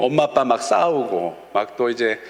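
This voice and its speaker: Chuckling pastor in a reverberant church. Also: male voice, medium pitch, big pitch swings, moderate pace, vocal fry. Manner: storytelling with acted quotes of kids. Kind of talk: sermon. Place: church sanctuary.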